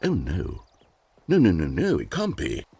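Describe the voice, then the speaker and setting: A man's voice: low-pitched, huge pitch swings, unhurried, gravelly, warm tone, slightly rough, heavily acted. A synthetic male voice playing a smug, dramatic game narrator, pompous and sardonic. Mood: panicked. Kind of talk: theatrical narration.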